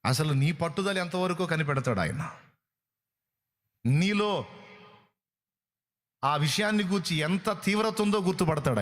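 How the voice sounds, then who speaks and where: This pastor speaks on the high side with a fairly bright tone and a Telugu accent. His preaching is forceful, built on rhetorical questions and impressions of what people say.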